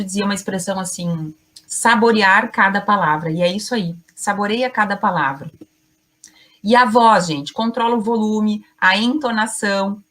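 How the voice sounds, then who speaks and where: Middle-aged woman, communication coach giving an online lesson, emphatic, mid-pitched, speaks in short measured phrases. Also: a bit bright. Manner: emphatic, addresses the audience directly and often; deliberate pauses between short phrases. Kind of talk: online class lecture.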